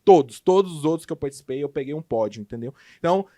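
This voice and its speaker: A man with a Brazilian Portuguese accent, a guest in a podcast interview, telling a personal story with animated, emphatic delivery. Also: on the high side, fast talker. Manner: animated, emphatic retelling with lively swings in loudness. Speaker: guest entrepreneur.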